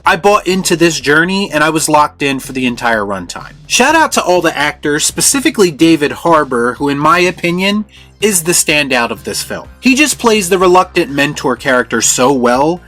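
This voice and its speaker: A man's voice: a little high, big pitch swings, normal speed, bright, forceful tone. A man hosting a video film review with scripted commentary. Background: background music.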